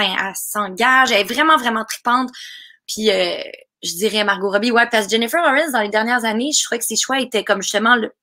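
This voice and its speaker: A young adult woman with a Québécois French accent talks as a podcast guest. Her voice sits slightly high and sounds bright, even sharp. She chats in an animated way, tumbling through quick asides and fillers. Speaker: guest, voice actress. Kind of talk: casual podcast chat.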